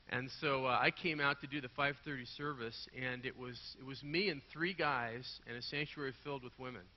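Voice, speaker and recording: A man with a raspy, hoarse voice preaching a sermon to a church congregation, swinging between loud bursts and quiet intimate asides. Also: medium pitch, a little hiss or hum. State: hoarse from a sleepless night. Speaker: guest pastor. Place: church sanctuary. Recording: dull sound with long hall reverb.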